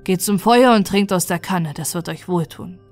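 A woman's voice: fairly low pitch, moderate pace, a little mellow, soft background music, natural voice. A woman voicing a friendly, hospitable seafaring man in a fairy-tale audiobook. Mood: welcoming. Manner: friendly, welcoming.

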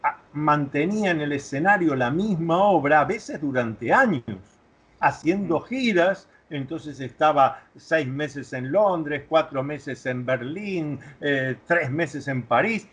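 A man's voice: a little high, lively intonation, slow pace, a bit bright, husky. An older man speaking thoughtfully in a reflective conversation, explaining ideas with a few restarts over a video call from a home study. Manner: thoughtful, lecturing, with filler restarts. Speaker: interview guest.

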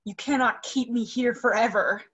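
Woman acting a husky, defiant young captive singer. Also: fairly high pitch, a bit bright. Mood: cold, resistant. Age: young adult. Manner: formal, deliberate, accusing. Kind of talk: theatrical staged reading. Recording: muffled video call audio.

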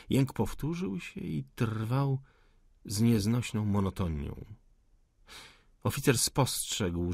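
A man reading a classic novel aloud as an audiobook, measured and dramatic with long pauses. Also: on the low side, vocal fry, slightly rough, no room sound, clean studio sound. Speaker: audiobook narrator. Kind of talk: literary audiobook narration.

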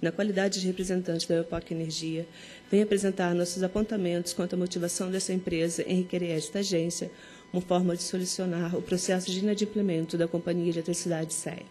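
Formal Brazilian woman, congested nasal voice, flat delivery, light hum. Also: on the low side, fast. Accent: Brazilian Portuguese. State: nasal from a cold. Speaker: company representative giving oral argument. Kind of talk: formal oral statement at a regulatory hearing.

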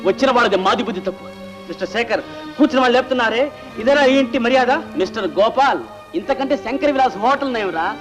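An actor playing an insulted friend of the son-in-law, speaking sarcastically in an old film drama. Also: male voice, very high-pitched, fast talker, over music. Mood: sarcastic. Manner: sarcastic, mocking.

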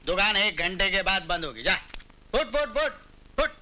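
Loud bossy kidnapper, high voice that swings up and down, music playing behind. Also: male voice, big pitch swings, normal speed, exaggerated voice. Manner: rough, bossy, mocking. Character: brash bullying male kidnapper. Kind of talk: 1990s Hindi film comedy acting.

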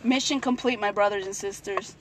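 A woman's voice: mid-range voice, a little fast, background noise. A woman in her thirties talking into a phone held at arm's length inside a parked car, fervently addressing her viewers and repeating praise like a street evangelist. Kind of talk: casual vlog, preachy exhortation.

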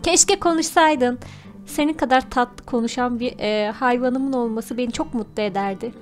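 A woman's voice: fairly high pitch, normal speed. A woman hosting a gaming video, narrating a role-play in an exclamatory, theatrical way. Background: background music.

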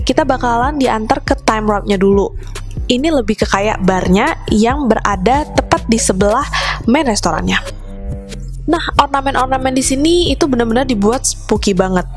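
A young woman with a fairly high voice narrates her review vlog in a chatty, upbeat way. She talks straight to her viewers. Soft music plays underneath. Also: animated, moderate pace. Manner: chatty, addresses viewers as guys. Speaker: vlogger. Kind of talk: casual travel review narration.

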